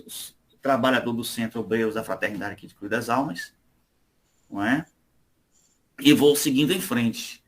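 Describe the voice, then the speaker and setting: A man from Salvador with a Bahian Brazilian accent and a fairly high, somewhat bright voice joins an online religious study meeting as a guest. He talks informally and conversationally about religion, frequently tacking on tag questions.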